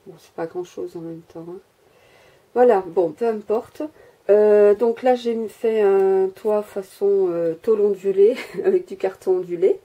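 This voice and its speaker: With a medium-pitched voice and a measured pace, a woman chats casually while filming her handmade miniature workshop. She rambles, hesitates a lot and jokes at her own expense in this show-and-tell. The camera she holds picks her up, and the recording sounds muffled.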